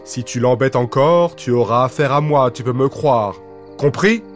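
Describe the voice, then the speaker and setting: A man voicing a big male forest monster with a deep voice he makes soft, gentle yet stern with bullies. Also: normal speed, soft background music, lightly acted.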